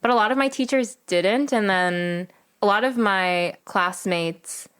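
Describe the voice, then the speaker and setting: A woman's voice: mid-range voice, a little slow, a bit bright, smooth. A young woman from Texas, a podcast guest who talks in a thoughtful, slightly hesitant way. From Texas, United States. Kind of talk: casual chat.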